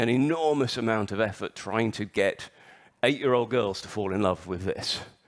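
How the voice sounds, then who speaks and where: Medium-pitched male speech with a British accent and ordinary pitch variation. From UK. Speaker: conference speaker, retail consultant. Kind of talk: conference presentation. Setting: stage with audience.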